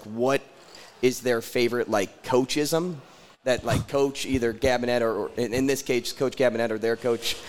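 A man's voice: medium pitch, a little hiss or hum. A young man hosting a casual sports interview, teasing his guests and rambling through his questions. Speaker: interviewer host.

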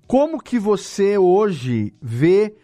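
Casting: male Brazilian podcast host, slightly high voice, emphatic and colloquial, conversational interview delivery. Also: big pitch swings, very slow, warm tone, soft background music.

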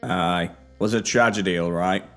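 A man's voice: sits low, fairly even intonation, fairly bright tone, faint music behind. A man voicing an arrogant, short-tempered laborer with a boisterous, cocky manner. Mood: gossipy. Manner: cocky, boisterous, quick to anger.

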